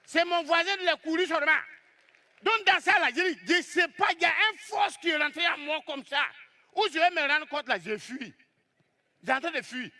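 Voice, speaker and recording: A man telling a comic story on stage as a stand-up comedian, lively and exclaiming as he acts out the scenes. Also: very high voice, normal speed.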